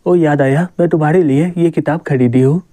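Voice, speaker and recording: A man's voice: fairly high pitch, a little fast, mellow, no room sound, lightly acted. A caring, bossy schoolgirl, read by a man.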